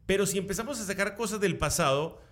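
A man's voice: high voice, fast. A man with a Latin American Spanish accent co-hosting a couples chat, joking and speaking straight to the audience. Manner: animated, jokey, addresses audience directly. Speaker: co-host of a couples show. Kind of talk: casual chat.

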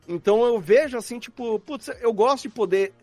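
A man's voice: very high voice, fairly quick, dark tone, no room sound, faint music behind. A man with a Brazilian Portuguese accent chatting casually as a guest in a live podcast interview. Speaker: podcast guest, audio drama producer.

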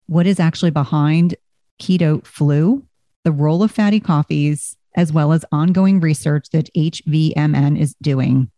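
Low-voiced woman podcast host. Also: warm tone, dry recording. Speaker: podcast host, nurse practitioner. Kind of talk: scripted intro then interview.

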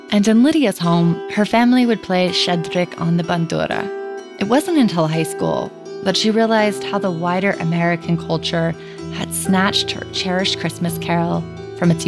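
A woman hosting a podcast, delivering polished, measured scripted narration. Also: fairly low pitch. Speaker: podcast host.

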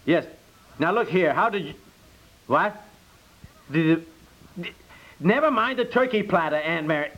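An actor playing an exasperated, blustering husband who sputters and stammers in a 1950s radio comedy. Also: male voice, on the high side, expressive, unhurried, long pauses, fairly bright tone, full character voice. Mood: flustered, impatient. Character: exasperated, blustering middle-aged husband, easily swayed. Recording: muffled vintage 1950s radio recording.

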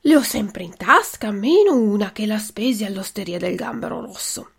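A woman's voice: mid-range voice, lively intonation, moderate pace, creaky, breathy edge. A woman voicing an impulsive wooden puppet boy who talks eagerly and exclaims a lot.

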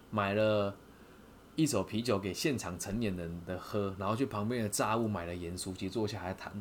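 Fast, animated Taiwanese-accented man. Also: medium pitch, slight background noise. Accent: Taiwanese Mandarin. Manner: lively, asks listeners rhetorical questions. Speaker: podcast host. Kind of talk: casual storytelling monologue.

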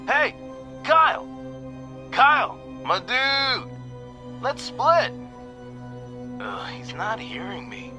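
A man's voice: very high-pitched, wildly swooping pitch, very slow, pauses often, bright, forceful tone, faint music behind, full character voice. An actor playing a laid-back young male stoner calling a radio show, drawling and slangy, then growing frantic. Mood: panicked. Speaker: radio caller. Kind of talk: audio drama acting.

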